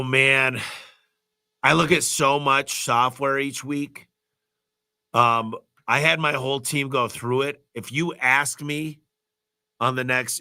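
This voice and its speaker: A man hosting a live business Q&A, talking in an energetic, motivational, rambling way while congested with a cold. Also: mid-range voice. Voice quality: stuffy, nasal. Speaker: host of a business Q&A livestream. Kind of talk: live Q&A answering viewer questions.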